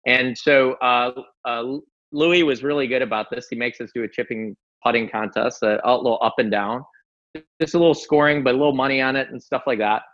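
A man's voice: mid-range voice, a little fast. A young adult man, a golf coach, telling a story as a podcast guest, acting out the lines of the people in it and laughing as he goes. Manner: lively, quotes others in dialogue, laughs often. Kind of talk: animated storytelling. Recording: dull lo-fi sound.

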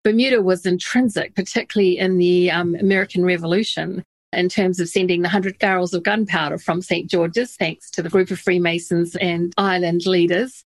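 A woman's voice: on the low side, fairly even intonation, normal speed, dry recording. A middle-aged woman from New Zealand hosting an interview, chatty and enthusiastic. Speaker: interview host. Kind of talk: conversational interview.

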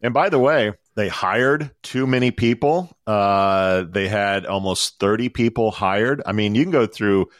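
A man's voice: lowish voice, unhurried, hardly any pauses, dry recording, clean studio sound. A middle-aged man co-hosting a podcast, reading news items and riffing on them with wry puns and emphatic repetition. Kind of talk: casual banter and news commentary.

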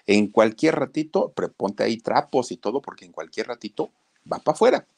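A man's voice: mid-range voice, expressive, moderate pace, vocal fry, darkish tone. A man voicing a blunt, nosy neighbor woman from a poor village. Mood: confiding.

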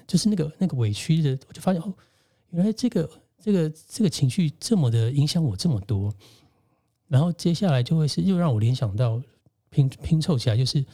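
A man, a podcast guest and co-host gently telling a personal story in casual conversation. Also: mid-range voice. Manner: reflective, gentle, recounts childhood memories.

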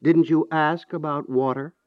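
Actor as a dry, high-voiced male property adviser. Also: steady tone, no echo, natural voice. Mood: dry, matter-of-fact. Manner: deliberate, hesitant understatement. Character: dry, measured male property adviser delivering bad news. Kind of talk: 1950s radio comedy acting. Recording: dull 1950s radio recording.

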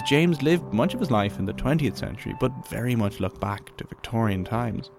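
A man hosting a podcast, reading scripted documentary narration in a measured storytelling way. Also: on the low side, gravelly.

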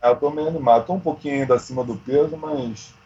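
A man of around sixty with a husky voice, chatting informally and slangily as he tells stories. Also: medium pitch, quick pace, warm tone, highs cut off. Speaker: amateur triathlete, interview guest. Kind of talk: casual chat, storytelling.

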